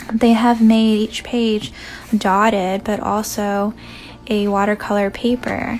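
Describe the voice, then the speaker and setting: Faint music plays in the background. A woman talks at a fairly high pitch with fairly even intonation. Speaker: artist and bullet journal creator. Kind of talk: live stream Q&A while painting. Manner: hesitant, with filler words. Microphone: phone near.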